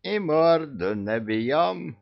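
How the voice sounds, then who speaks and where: A boastful immortal villain, tipsy and bossy, played by a man reading a storybook aloud, jumps high and excited. The gravelly voice drawls slowly. The recording is dull and lo-fi. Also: full character voice. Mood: scheming. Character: drunk, boastful immortal male villain Koschei. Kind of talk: audiobook character voice.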